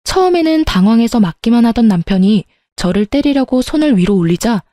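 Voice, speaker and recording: Woman narrating a personal story, mellow tone. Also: fairly high pitch, lively intonation, a little fast, no room sound, clean studio sound. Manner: emotional, confiding retelling.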